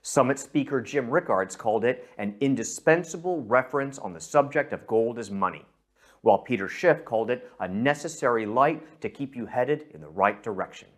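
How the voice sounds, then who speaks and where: A middle-aged man from San Francisco with an American accent, presenting a scripted investment pitch and speaking directly to the listener. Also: expressive, normal speed. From San Francisco, USA. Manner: persuasive, addresses the listener directly.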